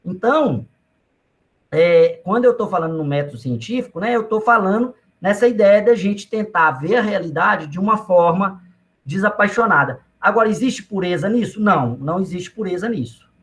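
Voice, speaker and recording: A man's voice: high-pitched, animated, moderate pace, fairly bright tone. A man giving a casual economics lecture, talking to students conversationally with personal anecdotes and asides. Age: adult father of young children.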